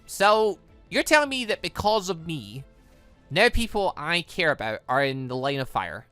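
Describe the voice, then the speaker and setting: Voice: medium pitch, sing-song, moderate pace, a bit bright, clean tone, soft background music. A let's player voicing a protective, guarded young hero from a visual novel, serious and wary.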